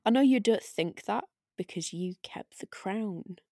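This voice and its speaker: A taunting, otherworldly spirit acted by a woman in an audio drama read. The delivery is unhurried, sardonic and provoking, savouring each phrase. The sound is close and dry, with very little room. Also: mid-range voice, dark tone, no echo. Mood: coolly persuasive. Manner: drawn-out, sardonic, needling. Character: taunting disembodied arcane spirit, silky and provoking.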